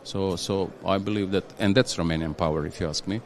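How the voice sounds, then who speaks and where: A man from Croatia, an industry executive answering interview questions in a halting way, often restarting phrases and tagging them with "yeah?". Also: deep voice, steady tone. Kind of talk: conversational interview.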